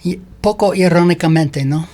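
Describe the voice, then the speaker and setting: A man whose first language is English, speaking halting learner Spanish as a radio interview guest, slipping into English fillers. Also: fairly high pitch, warm tone. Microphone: studio microphone.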